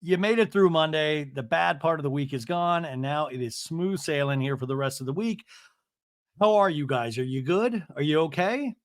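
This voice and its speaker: Higher-voiced American man, slightly raspy podcast host. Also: normal speed, dry recording, studio quality. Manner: excitable, rambling, slangy asides. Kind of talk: chatty podcast monologue to listeners.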